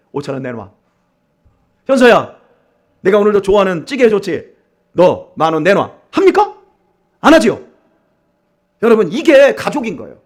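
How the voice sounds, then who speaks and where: A man preaching a sermon as pastor in a church, emphatic and repeatedly asking his congregation questions. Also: very high voice. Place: church sanctuary.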